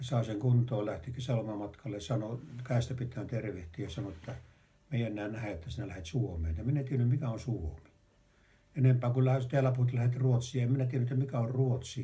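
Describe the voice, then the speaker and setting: A man of medium pitch and ordinary pitch variation has a somewhat breathy voice with a dark, mellow tone. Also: fairly quick pace. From Finland, Kainuu region. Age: 80s+. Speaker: war veteran. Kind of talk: interview answer.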